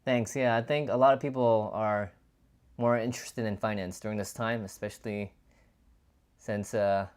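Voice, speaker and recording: A man's voice: on the low side, fairly even intonation, moderate pace, smooth. A man hosting a podcast, introducing his guest and asking short, plain questions. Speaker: podcast host. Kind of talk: podcast interview.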